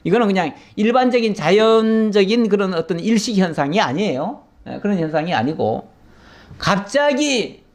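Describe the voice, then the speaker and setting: Pastor guy explaining a bible passage verse by verse, lively up and down voice, does little voices for the mockers. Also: high voice, moderate pace. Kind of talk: Bible teaching sermon.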